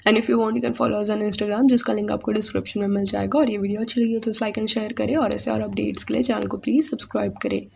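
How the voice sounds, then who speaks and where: A woman's voice: mid-range voice, level tone, fast, creaky, hardly any pauses, darkish tone, a little hiss or hum. A woman talking to her viewers in a casual commentary, giving advice and asking them to follow and subscribe. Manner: talks straight to viewers, gives advice, asks them to subscribe. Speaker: vlogger. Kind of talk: casual commentary in Hindi-English mix.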